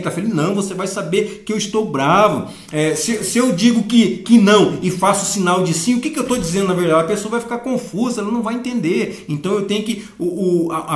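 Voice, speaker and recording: Brazilian man teaching a Bible lesson, echoey room. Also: high-pitched. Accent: Brazilian Portuguese. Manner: explanatory, reads scripture slowly then comments. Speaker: Sunday school teacher.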